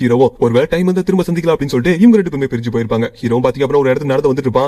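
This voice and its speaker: In an unremarkable speaking voice at medium pitch, a man talks with a dry, close sound and no echo. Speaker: anime story narrator. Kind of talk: casual storytelling recap.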